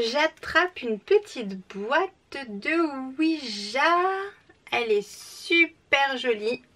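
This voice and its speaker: A woman's voice: a little high, pushed and bright. A young woman chatting enthusiastically as she unboxes a book subscription box, with frequent fillers. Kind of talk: casual unboxing chat. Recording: slightly distant mic, faint room noise.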